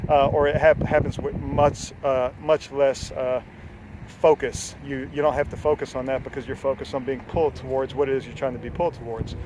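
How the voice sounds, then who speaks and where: A man's voice: medium pitch, flat delivery, a little fast, background noise. A man in his forties, a health coach, giving an earnest, rambling motivational talk with many fillers and casual swearing. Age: 40s. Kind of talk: unscripted motivational talk to camera.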